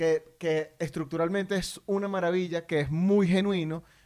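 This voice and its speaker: At a moderate pace, a man with a high pitch speaks using fairly even intonation. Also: very even loudness. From Venezuela, Caracas. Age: 30s. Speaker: film director. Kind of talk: casual chat.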